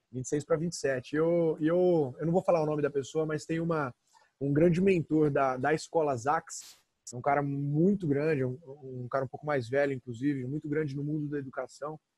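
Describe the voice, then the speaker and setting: Somewhat breathy, with a dark, mellow tone and fairly high pitch, a man speaks at a moderate pace with fairly even intonation in a dry, close sound with no echo. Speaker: podcast host, sales supervisor. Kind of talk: casual interview chat.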